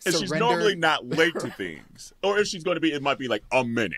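A man's voice carries vocal fry and very wide pitch swings as he talks at a fairly quick pace. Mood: playful, laughing storytelling. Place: home room.

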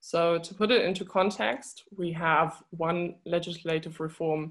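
Her voice, a woman's, sits fairly low in pitch. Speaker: press freedom advocacy officer. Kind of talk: panel discussion. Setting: video webinar. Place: home room. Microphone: video call.

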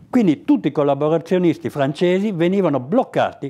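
Talking at a fairly quick pace, a man has a dark, mellow tone with vocal fry. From Italy. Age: 70s. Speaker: Holocaust-era persecution survivor and witness; interviewee. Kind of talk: interview testimony. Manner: halting. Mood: reflective, earnest memories. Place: home room. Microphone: lapel.

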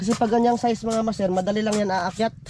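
A man talks fairly quickly while noticeable noise sounds behind him. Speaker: vlogger, mud crab hunter. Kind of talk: casual vlog narration. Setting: outdoors, mangroves by the sea. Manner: animated, laughing often.

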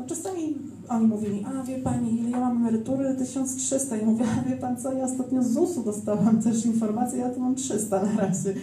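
Against noticeable background noise, a woman speaks at a high pitch and a fairly quick pace, with ordinary pitch variation and hardly any pauses. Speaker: author and museum worker. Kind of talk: author talk with audience. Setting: live event with audience, microphone.

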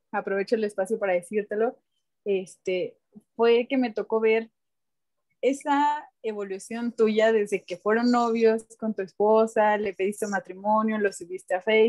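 In a dry, close sound with no echo, a woman with an ordinary speaking voice talks at a fairly slow pace with ordinary pitch variation. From Mexico City. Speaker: fan. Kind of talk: fan question.

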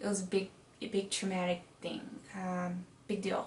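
A woman speaks at a fairly slow pace. Audible room echo and light background noise are present. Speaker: vlogger. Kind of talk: personal vlog, venting. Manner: hesitant, many fillers; flat, detached. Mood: earnest, venting personal struggles. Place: home room. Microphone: webcam.

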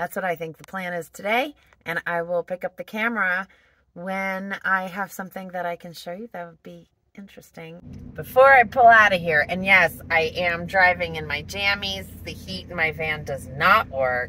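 A bright, sharp-toned voice, recorded dry with no echo, rises and falls widely in loudness over light background noise. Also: woman, fairly low pitch for a woman, ordinary pitch variation, moderate pace. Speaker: solo van-life vlogger. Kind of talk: casual vlog chat. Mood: cheerful, animated. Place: car. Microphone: phone near.

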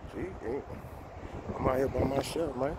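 Loud background noise runs beneath a man's voice. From Miami-Dade County, Florida; Florida. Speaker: vlogger. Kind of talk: casual live-stream vlog. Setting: outdoors. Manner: animated. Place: tunnel cave. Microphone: phone near.

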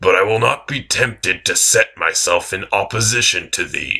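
A man puts on a raspy character voice. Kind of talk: dramatic classic literature reading. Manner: solemn, accusing, menacing then pleading.

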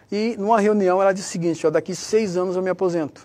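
Pitched high for a man, his voice moves at a fairly quick pace with ordinary pitch variation. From interior of São Paulo state, Brazil. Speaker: retail chain executive. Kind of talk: interview. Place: studio.

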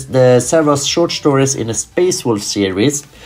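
This man's pitch swings very widely while he keeps a moderate pace. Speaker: hobby vlogger. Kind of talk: solo video review. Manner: halting, filler-heavy. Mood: relaxed, smiling.

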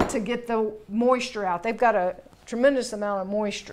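Noticeable background noise sits under a voice with an American accent and ordinary pitch variation. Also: woman. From Texas. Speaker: cooking show presenter. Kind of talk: cooking demonstration. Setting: studio kitchen. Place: kitchen.

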